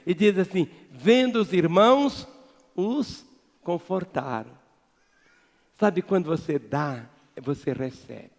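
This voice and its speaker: A man with a Brazilian Portuguese accent preaching a sermon as pastor, emphatic, swinging between loud exhortation and quiet low asides. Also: animated, slow pace, creaky. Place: large church hall. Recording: long reverb of a church hall.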